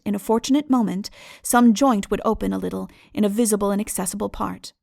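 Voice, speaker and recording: Woman, audiobook narrator, dramatic literary reading, measured and formal, creaky edge, dry close sound. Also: mid-range voice, no echo.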